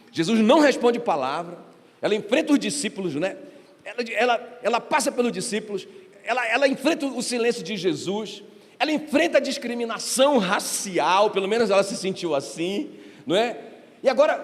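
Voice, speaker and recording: A man's voice: high-pitched, sing-song, moderate pace. A man preaching a sermon as pastor, emphatic and often addressing the congregation directly. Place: church hall. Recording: reverberant church hall.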